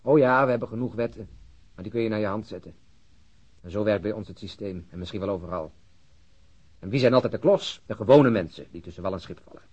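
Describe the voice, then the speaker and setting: Weary, sardonic male detective for radio crime play; low, husky, argumentative, on muffled lo-fi audio. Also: fast talker, darkish tone. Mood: bitter, sardonic. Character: cynical, weary, outspoken male police detective. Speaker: actor in a radio crime drama. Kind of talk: Dutch-language radio play acting.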